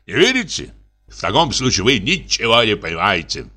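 A man's voice: fairly low pitch, huge pitch swings, fairly quick, pushed and bright, breathy edge, exaggerated voice. A man voicing a boastful, pushy, middle-aged army lieutenant who is drinking, exclamatory and wheedling. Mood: boasting. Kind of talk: audiobook character reading.

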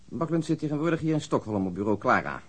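An actor playing a methodical police detective who speaks in a matter-of-fact, mildly irritable way. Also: male voice, medium pitch, sing-song, quick pace, breathy edge. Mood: dry. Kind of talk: radio drama acting.

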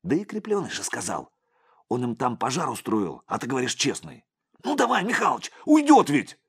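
A man's voice: medium pitch, a little fast, slightly rough, pitched above the performer's own voice, full character voice. A man voicing a young, eager male police sergeant who pleads and gets worked up. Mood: pleading. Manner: pleading, excitable, whiny.

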